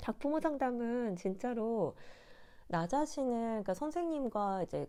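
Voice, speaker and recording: A woman with a dark, mellow tone speaks in very wide pitch swings. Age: 40s. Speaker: parenting author and channel host. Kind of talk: casual monologue. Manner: hesitant with fillers.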